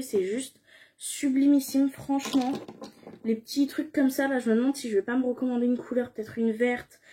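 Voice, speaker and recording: A woman's voice: fairly high pitch, warm tone. A young woman chatting casually in a beauty haul video, gushing with enthusiasm and repeating words for emphasis. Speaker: beauty vlogger.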